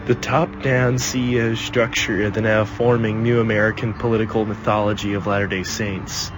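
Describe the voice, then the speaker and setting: A man's voice: level tone, normal speed. A man delivering a scripted, declamatory monologue. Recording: clearly noisy, rumbling background.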